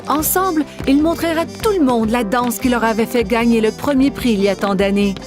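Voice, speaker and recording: A woman's voice: fairly high pitch, fairly quick. A woman storyteller giving scripted narration for a children's cartoon. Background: music.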